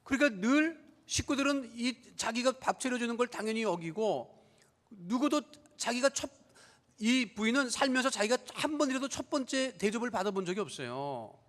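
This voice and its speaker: A man's voice: extremely high pitch, expressive, normal speed, fairly bright tone, big-room sound. A man preaching a sermon as pastor, telling a story and acting out the voices of the people in it. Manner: storytelling, acts out quoted family members. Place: church sanctuary.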